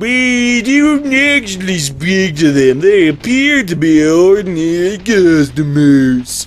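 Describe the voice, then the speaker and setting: A man's put-on character voice, high-pitched for a man, at a fairly slow pace with hardly any pauses, clear music in the background. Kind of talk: video game dialogue read aloud. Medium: game stream. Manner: anxious, folksy, evasive.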